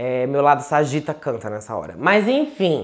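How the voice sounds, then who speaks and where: A man speaks at a moderate pace. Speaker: tarot teacher. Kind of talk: live-stream lecture. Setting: live stream. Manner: hesitant, with many fillers.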